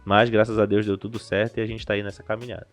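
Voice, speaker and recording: A man's voice: fairly low pitch, quick pace, soft background music. A Brazilian man, a language school director, explaining things in a casual podcast interview, restarting his sentences often. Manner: animated explainer with frequent restarts.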